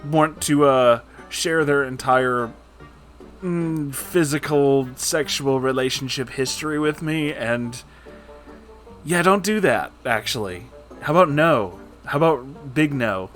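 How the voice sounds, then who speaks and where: A man talks casually to his audience as a host giving commentary. His delivery is informal and rambling, peppered with joking asides and swearing. His voice sits at an average pitch, with light music playing behind it. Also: slow pace, a bit bright. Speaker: host reading and reacting to stories.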